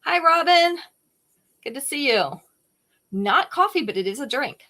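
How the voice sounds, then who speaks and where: A woman's voice: high-pitched, expressive, a little slow, bright, forceful tone. A woman hosting a live-stream jewelry sale, chatting casually and greeting viewers by name as she shows each piece.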